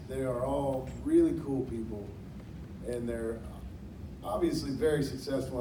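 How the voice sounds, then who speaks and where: A man with a mid-range voice talks in a hesitant, appreciative way on a convention panel, pausing on ums. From the back of the room, the hall echo and crowd noise are clear around him. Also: mid-range voice. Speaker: panel guest, voice actor. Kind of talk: casual panel talk. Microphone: table mic, heard from a phone in the audience. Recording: echoey hall, phone from far off.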